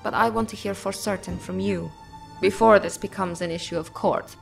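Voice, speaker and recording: A woman playing a stately empress in an audio drama, with formal, measured and commanding delivery. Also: medium pitch, fairly even intonation, gravelly, soft background music. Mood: grave, commanding.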